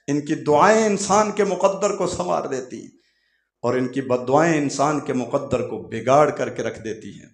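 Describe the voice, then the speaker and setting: A man's voice: mid-range voice, echoey room. A male Islamic preacher telling a sermon story in a dramatic, emphatic way, acting out the quoted dialogue.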